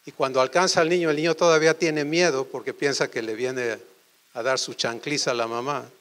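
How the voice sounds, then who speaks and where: A man preaching a sermon, asking the congregation quick questions. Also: medium pitch. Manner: animated, quizzes the audience with quick questions.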